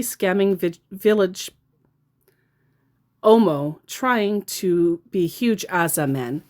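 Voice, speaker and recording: A woman narrating her scam-baiting chats in a casual vlog. She sounds sarcastic and mocking, and her pitch swings widely. Her voice sits at a middle height for a woman. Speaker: scam baiter.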